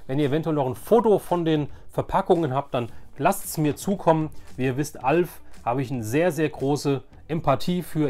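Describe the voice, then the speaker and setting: A man in his forties speaks as a vlog host with an ordinary mid-pitched voice. He chats informally and enthusiastically to his viewers, rambling nostalgically. Music plays faintly behind him. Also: darkish tone. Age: 40s. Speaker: video host.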